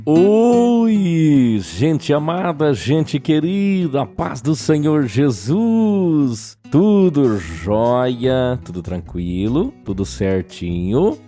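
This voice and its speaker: A slightly hoarse Brazilian man hosting a casual religious radio show in a chatty way, often adding little tag questions. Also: a little high, big pitch swings, drawn-out words, warm tone, soft background music. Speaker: radio host.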